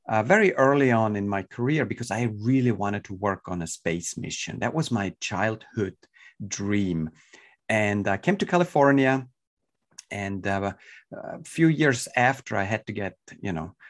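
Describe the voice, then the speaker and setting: A man from Switzerland with a Swiss accent, speaking as a guest in a podcast interview, enthusiastic and thoughtful, with many fillers and restarts. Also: lowish voice.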